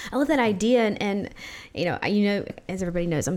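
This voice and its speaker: Her tone is animated. The woman's pitch varies in an ordinary way. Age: 30s. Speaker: podcast co-host. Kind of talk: casual chat.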